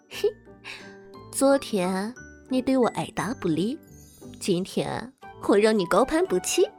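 A woman's voice: fairly high pitch, a little mellow, heavily acted. A woman voicing a playful, bratty young girlfriend who teases and pouts in a coy, whiny way. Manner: coy and teasing, whiny pouting. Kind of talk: audio role-play drama.

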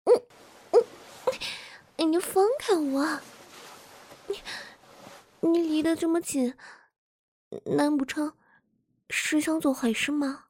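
A woman's voice: high-pitched, slow pace, long pauses, a little mellow, dry recording, clean studio sound. A woman voicing a playful, bratty young girlfriend who teases and pouts in a coy, whiny way. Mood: coy protest. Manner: coy and teasing, whiny pouting. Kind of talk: audio role-play drama.

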